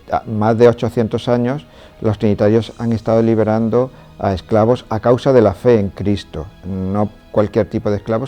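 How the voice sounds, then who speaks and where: A man with a low, dark and mellow voice, speaking as a priest. He explains things in a measured, steady way during an interview testimony. Soft music plays faintly behind him. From Córdoba, Spain. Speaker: Trinitarian priest and charity president.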